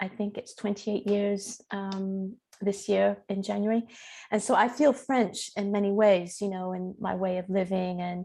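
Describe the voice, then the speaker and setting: A woman's voice in a slight American accent, medium in pitch and dark and mellow in tone, at a fairly slow pace with fairly even intonation over a quiet background. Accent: slightly American. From United States. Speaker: holistic healer. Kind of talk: interview.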